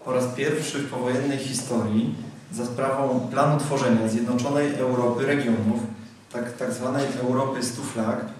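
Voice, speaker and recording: A young man at a lectern in a large hall, reading a prepared speech in a formal, measured way. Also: medium pitch, steady tone, a little hiss or hum. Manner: formal, measured delivery from a script. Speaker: speaker at a convention. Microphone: lectern microphone. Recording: very echoey hall, mic at a distance.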